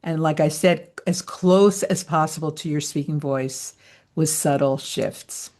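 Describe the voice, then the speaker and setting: A woman's voice: low voice, a little slow, darkish tone. A woman coaching voice actors in an online training session, talking in a chatty, explanatory way and laughing easily. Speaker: voice-over coach.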